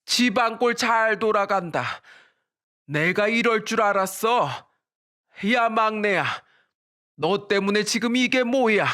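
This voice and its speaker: A man's voice: high-pitched, slow pace, sharp tone, full character voice. A man voicing a stern older father-in-law who scolds his youngest son in a storybook drama. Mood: irate. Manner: scolding, tongue-clicking.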